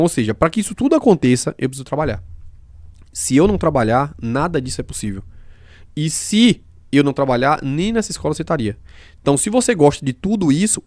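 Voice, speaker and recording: A man talks quickly and emphatically as a podcast host, building each point with everyday examples. His voice sits a little higher than most men's, and the sound is dry and close. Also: dry recording. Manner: fast-talking. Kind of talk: casual podcast conversation.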